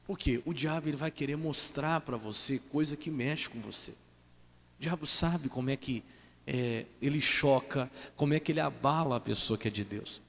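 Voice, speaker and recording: A man's voice: mid-range voice, normal speed, vocal fry, fairly bright tone. A man with a Brazilian accent preaching an evangelical sermon, prompting the congregation with rhetorical questions. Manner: call-and-response rhetorical questions. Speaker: pastor. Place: church service hall. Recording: echoey church hall.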